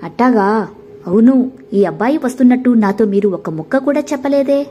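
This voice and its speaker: A woman's voice: fairly high pitch, lively intonation, a little fast, warm tone, muffled recording, slight background noise, natural voice. A woman voicing a proud, chatty middle-aged village wife who teases.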